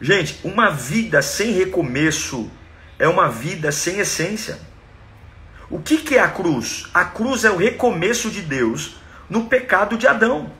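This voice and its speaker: Brazilian male preacher, high and bright, emphatic sermon delivery. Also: big pitch swings, measured pace. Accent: Brazilian Portuguese. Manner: emphatic, acts out quoted cries dramatically.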